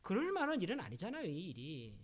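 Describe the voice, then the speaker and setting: Animated high-voiced male pastor preaching. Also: quick pace. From Korea. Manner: animated, asks the congregation questions and acts out quoted voices. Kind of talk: sermon.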